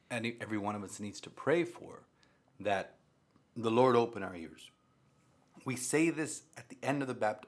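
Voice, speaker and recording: A Catholic priest, raised speaking Spanish, gives a conversational talk about faith in a voice on the low side, repeating phrases for emphasis.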